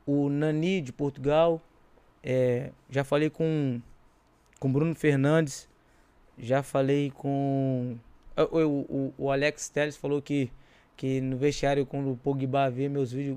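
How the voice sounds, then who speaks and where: A man's voice: medium pitch, little pitch movement, a little slow, dark tone, clean tone. A man with a Brazilian accent chatting casually as an interview guest, telling stories in slangy, informal speech. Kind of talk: casual chat, animated storytelling.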